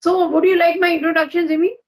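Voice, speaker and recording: A woman with an Indian English accent hosts an English practice video call, asking friendly, encouraging questions in a casual chat. Her voice is extremely high-pitched, and she speaks quickly with a flat delivery.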